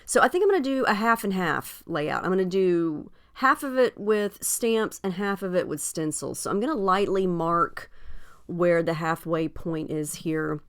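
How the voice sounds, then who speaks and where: A woman's voice: fairly low pitch, lively intonation, normal speed, clear, resonant tone. A woman hosting a casual crafting tutorial, chatty and friendly with frequent ums, her voice a little scratchy after being ill. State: slightly scratchy voice after illness. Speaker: scrapbooking video host.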